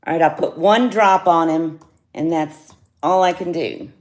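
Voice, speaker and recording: A woman's voice: low-pitched, measured pace. A woman chatting casually on a jewelry livestream, greeting viewers by name. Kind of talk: casual live sales chat. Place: home studio, indoors.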